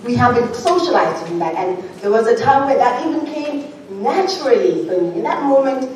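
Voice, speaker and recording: A woman, an audience member telling a story during a Q&A in a large lecture hall, animated and often laughing. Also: on the high side, a little fast, a little hiss or hum. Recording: echoey hall, voice from far off.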